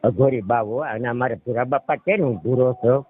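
A man's voice: medium pitch, fairly quick. A middle-aged man with a Saurashtra Gujarati accent, telling a rambling personal account as a caller and often checking that he is understood. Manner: repeatedly checks the listener understands. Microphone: telephone. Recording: tinny narrowband phone call recording.

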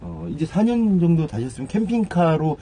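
A man's voice: on the high side, big pitch swings, moderate pace, warm tone, a little hiss or hum. Chatty man touring a wooden camper. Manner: chatty, asks many questions, addresses viewers. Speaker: vlog host touring a camper. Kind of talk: casual walkthrough commentary. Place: inside a small wooden camper.

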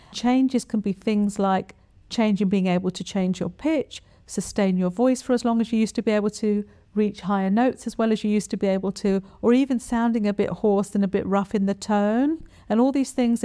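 Mellow-voiced middle-aged woman explaining. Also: medium pitch, smooth. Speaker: voice specialist presenter. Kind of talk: explanatory informational talk to camera. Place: small quiet furnished room, indoors. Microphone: lapel mic.

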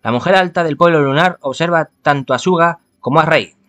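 A man's voice: on the high side, a little fast, a bit bright. A man from reads a visual novel aloud, adding casual, wry commentary as he goes. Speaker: gaming streamer.

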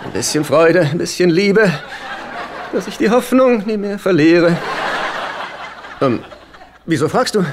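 A man's voice: sits high, expressive, a little slow, long pauses, background noise. An actor dubbing a fussy, self-important middle-aged man in a German sitcom, pompous and theatrical with hesitations. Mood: pompous, boastful. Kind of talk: German-dubbed sitcom acting.

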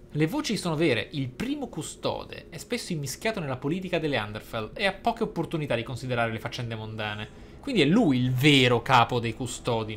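A man with a mid-pitched voice reads journal text from a video game aloud. His delivery is measured and a touch theatrical, like a gaming YouTuber in a roleplay playthrough. Light game ambience noise sits behind him. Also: a bit bright.

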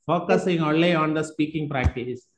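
A man's voice: fairly high pitch, moderate pace, roomy sound. A man, teaching a live online spoken class and cheering his students on with repeated questions like "am I right?".

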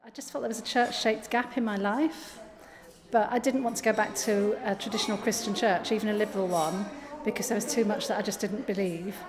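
A woman's voice: medium pitch, fairly even intonation, brisk, big-room sound, a crowd in the background. A middle-aged woman telling, in a plain and friendly way, how she found the church.

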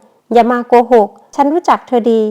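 Female reader doing a jealous elder sister, sharp scolding voice, loud, storybook. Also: normal speed, natural voice. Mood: sneering. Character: hot-tempered jealous elder sister, young woman.

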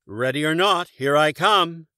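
Man doing a bossy, forceful grumpy bear. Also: on the high side, a little slow, smooth, dry recording, studio quality, voice pushed up. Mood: calling out. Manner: exasperated, emphatic, growly bluster. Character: bossy, short-tempered male cartoon bear.

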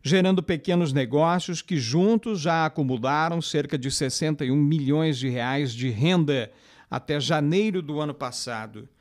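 A male reporter reading a scripted local news report in a measured, formal way. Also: a little high.

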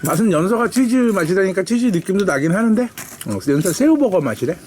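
Higher-pitched man hosting a casual snack review. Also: sing-song, darkish tone, a little hiss or hum. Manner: informal, unscripted, thinking aloud with drawn-out hesitations. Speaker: host of a snack review video. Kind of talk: casual food review chat with a child.

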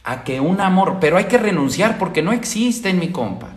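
A man's voice: high-pitched, lively intonation, moderate pace, roomy sound. A Mexican man giving blunt, slang-filled dating advice on a casual livestream, often repeating lines for emphasis. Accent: Mexican Spanish.

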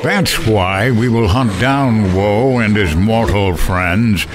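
An actor playing a weary, ancient and proud duke of hell in an audio drama, delivering a solemn, grandiose monologue. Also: male voice, fairly low pitch, slow pace, noisy background. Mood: grim, defiant. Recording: music under the voice.

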